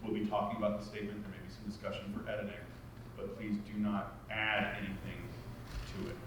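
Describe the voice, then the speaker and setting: A man with a fairly low voice briefs a meeting informally and carefully, restating his points. He is recorded from a distance in a heavily reverberant room, with clear background noise. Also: flat delivery, fast. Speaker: board meeting speaker. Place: large echoey meeting room. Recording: very echoey room, distant mic, noisy.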